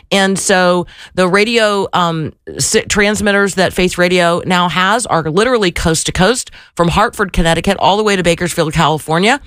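Woman, radio host, slightly gravelly voice, chatty, effusive, fillers and restarts, dry studio mic. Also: lowish voice, a bit bright, no echo. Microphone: studio microphone.

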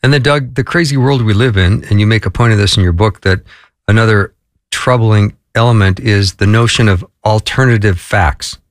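A man hosting an interview, asking questions in a conversational, lively way. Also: lowish voice, normal speed, no room sound, clean studio sound. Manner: conversational, animated when making a point. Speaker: interview host.

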